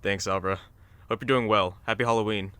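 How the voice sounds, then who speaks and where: An actor playing a kindly, gently firm off-duty police officer uncle in an audio drama. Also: male voice, on the low side, fairly even intonation, brisk, clean tone, no echo, natural voice. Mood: friendly. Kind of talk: natural audio drama acting.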